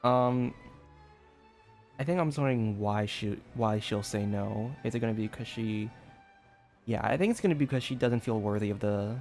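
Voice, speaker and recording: Very low-voiced woman streaming a game. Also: normal speed, darkish tone, faint music behind. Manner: musing, reacting aloud. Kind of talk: casual livestream commentary.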